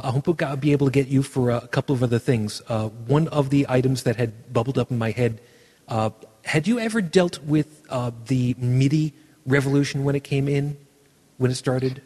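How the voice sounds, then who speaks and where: A man's voice: mid-range voice, warm tone, breathy edge, in a large hall. A man hosting a podcast, chatting casually in a rambling way with many fillers and signing off the show. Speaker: podcast host. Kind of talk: casual chat and show sign-off.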